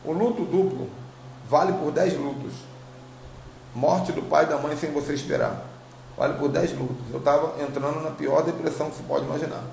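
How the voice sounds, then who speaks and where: A Brazilian man shares a spiritual testimony in an informal, emphatic way, circling back over his phrases. His voice sits a little high for a man, with a gravelly creak and a slight tongue-tie. It is recorded in an echoey room with faint noise behind him. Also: moderate pace, darkish tone. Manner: informal, emphatic storytelling with repetition. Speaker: apostle, religious teacher. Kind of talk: personal spiritual testimony to online followers. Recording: roomy echo, faint background noise.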